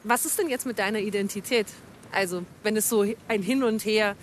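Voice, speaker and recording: A woman's voice: medium pitch, brisk, a little hiss or hum. Friendly curious woman reporter. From Germany, Augsburg. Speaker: reporter and presenter. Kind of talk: documentary reporting and interviewing.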